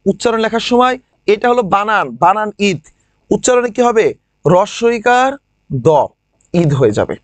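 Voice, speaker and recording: A young man from Bangladesh teaching a live online grammar class, repeating each question and answer and drawing out example words slowly, calling on students by name. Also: high-pitched, dry recording. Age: young adult.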